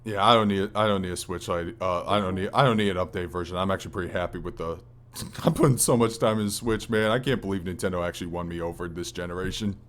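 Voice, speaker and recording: Low-pitched man in casual podcast chat. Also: fast. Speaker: podcast co-host. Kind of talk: casual chat about video games.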